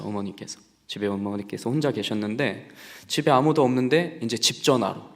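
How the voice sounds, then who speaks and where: A young adult man preaching to a congregation in a conversational, storytelling way and asking them questions. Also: mid-range voice. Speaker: pastor. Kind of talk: sermon. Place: church sanctuary. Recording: long reverb of a church hall.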